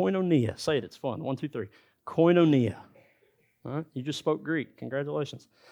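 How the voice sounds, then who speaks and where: With a Southern US accent, a man speaks at a moderate pace and fairly high pitch, his tone dark and mellow. His intonation is lively, and he leaves long, frequent pauses. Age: 30s. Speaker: pastor. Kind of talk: sermon. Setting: church.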